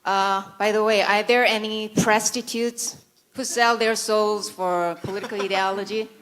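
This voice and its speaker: A Korean-accented woman addresses a conference audience in English, her second language. She delivers a prepared speech at a mid-range pitch. She talks with dry, sarcastic wit and mock-serious asides. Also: fairly even intonation, normal speed, fairly bright tone, low-quality recording. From South Korea. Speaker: conference speaker.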